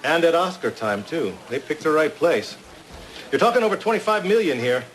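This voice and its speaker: A man playing a knowing jewelry expert in a radio crime drama, speaking in clipped, measured, appraising phrases. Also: on the high side, animated, fairly bright tone, soft background music.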